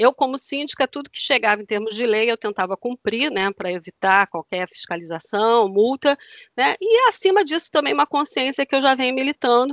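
A woman speaks at a moderate pace. The background is quiet and the sound is dry with no echo. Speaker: guest, lecturer. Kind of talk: interview answer. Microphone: headset.

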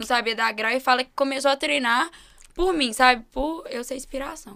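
A woman speaks with a high pitch and a bright, sharp tone. The background is quiet. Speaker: social media influencer; podcast guest. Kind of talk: casual chat. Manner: animated. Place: studio. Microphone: studio mic.

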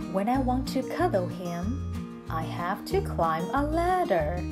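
The speech comes at a very slow pace over loud background noise. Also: woman. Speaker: story time host who reads books aloud in English and Mandarin. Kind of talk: children's picture book read-aloud in English. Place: home room. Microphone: phone near.

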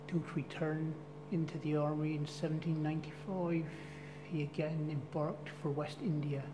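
The speech moves at a fairly slow pace. Noticeable background noise is present. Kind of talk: casual vlog chat, reading an inscription aloud. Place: church. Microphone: phone near.

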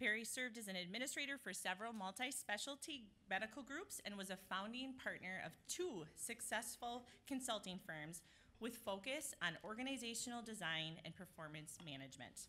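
Bright and sharp in tone, a woman speaks at a moderate pace. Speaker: college advancement staff. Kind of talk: speaker introduction. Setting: stage with audience. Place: hall. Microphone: podium.

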